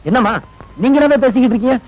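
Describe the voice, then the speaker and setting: A man's voice: extremely high pitch, rapid-fire, dull audio. An actor playing a teasing city man stranded with his car, in 1980s Tamil film comedy. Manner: teasing, cheeky.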